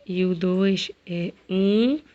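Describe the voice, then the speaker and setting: A woman teacher with a Brazilian Portuguese accent, hoarse from a cold, giving an online math lesson in a quiet, hesitant way with many fillers. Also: medium pitch, extremely slow. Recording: dull lo-fi home video recording.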